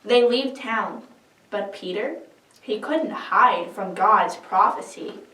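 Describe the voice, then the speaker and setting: A woman reading a scripted dramatic scripture narration as an expressive storyteller. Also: mid-range voice, slow pace. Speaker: dramatic reader. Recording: echoey room, distant microphone.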